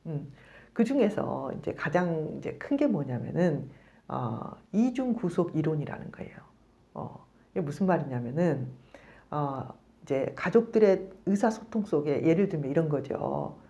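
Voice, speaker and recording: A woman's voice: deep voice, normal speed, vocal fry. A middle-aged woman professor giving a lecture on family psychology, acting out parents' scolding lines as she goes. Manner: animated, acts out scolding parents in quotes. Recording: dull lo-fi sound.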